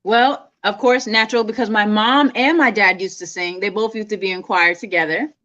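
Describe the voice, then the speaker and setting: A woman's voice: mid-range voice, steady tone, moderate pace, a bit bright, muffled recording. A woman singer being interviewed, chatting casually and laughing often.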